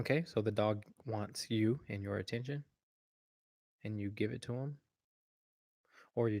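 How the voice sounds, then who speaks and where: A quiet man speaks at a moderate pace with a fairly low pitch and fairly even intonation. The sound is dry and close with no echo, in a very clean recording with a silent background. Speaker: dog trainer. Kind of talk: live Q&A stream. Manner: speaking quietly; casual conversational.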